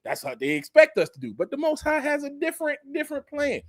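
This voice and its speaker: Fast-talking and very high-voiced, with big pitch swings and vocal fry, a man in his forties teaches scripture as a Bible teacher. It's casual, conversational preaching full of restarted phrases, "you know", and emphatic, mocking asides, recorded dry with clean studio sound.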